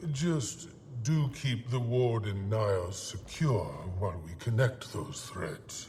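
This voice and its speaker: Using a put-on character voice, a man speaks at a medium pitch and a very slow pace. Clear background noise can be heard. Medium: video game. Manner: measured, dry.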